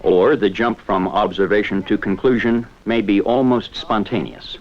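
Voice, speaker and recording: A man giving measured, explanatory scripted narration for a 1970s educational film. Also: fairly low pitch, steady tone, highs cut off.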